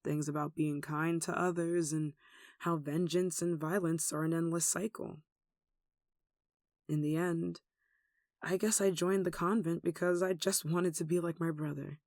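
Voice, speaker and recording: A performer playing a gentle, protective nun in an ASMR roleplay, speaking in a tender, soothing and wistful way. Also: medium pitch, steady tone, unhurried, no echo, studio quality, lightly acted. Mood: fond, wistful. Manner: tender, soothing, wistful, with sighs and soft chuckles. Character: gentle, protective young nun caring for a sick demon. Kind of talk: ASMR roleplay, soft intimate acting.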